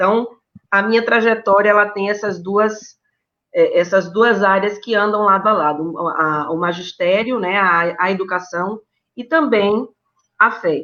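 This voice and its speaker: A woman's medium-pitched voice, bright and sharp in tone, comes at a fairly slow pace. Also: ordinary pitch variation. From Bahia, Brazil (Baixo Sul, raised in sertão/Sisal region). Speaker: party activist and educator. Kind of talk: interview.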